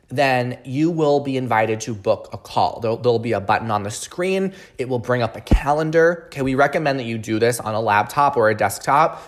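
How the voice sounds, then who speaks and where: A man who hosts a podcast and trains coaches explains things earnestly and emphatically in a medium-pitched voice. It's a solo podcast talk doubling as a promotional explainer, and he often checks in with the listener.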